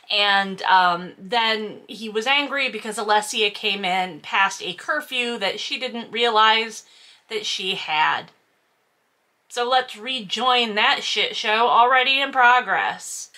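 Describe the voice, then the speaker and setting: A woman with a mid-range, sharp-toned voice hosts a book read-aloud, cutting in with casual commentary that is sarcastic, emphatic, and sometimes profane. She sounds sardonic and incredulous.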